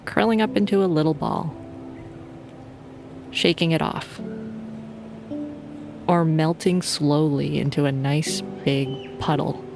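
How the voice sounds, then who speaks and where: A woman's voice: low-pitched, fairly even intonation, takes it slowly, vocal fry, pauses often, music in the background. A woman leading a guided sleep meditation in an informal, playful and soothing way.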